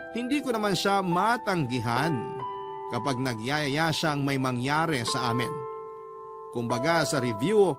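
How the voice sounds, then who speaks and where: A Filipino-accented man narrates a love letter in the first person, dramatic and confessional. His voice is fairly high for a man, and music plays loudly beneath it. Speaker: radio love-story reader. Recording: loud music bed under voice.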